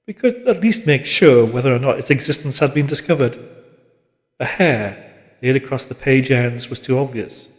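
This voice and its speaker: A man's voice: mid-range voice, expressive, normal speed. Male audiobook narrator in a reverberant space. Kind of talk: scripted literary narration. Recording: long reverberant hall-like echo.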